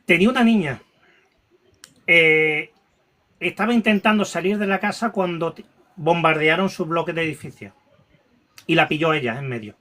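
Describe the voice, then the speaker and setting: A man telling a painful personal story, halting with restarts and repetitions, audibly moved and close to tears. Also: a little high, bright, forceful tone. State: emotional, near tears. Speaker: guest recounting a paranormal experience.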